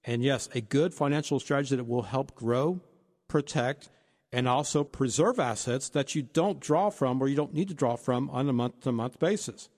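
A man's voice: mid-range voice, moderate pace, big-room sound. A man co-hosting a financial advice talk, laying out retirement planning points one by one. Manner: steady explanatory, lists points. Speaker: financial advisor co-host.

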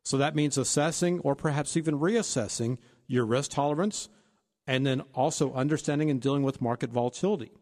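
A man's voice: medium pitch, a little fast, in a large hall. A man co-hosting a financial advice talk, laying out retirement planning points one by one. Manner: steady explanatory, lists points. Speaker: financial advisor co-host.

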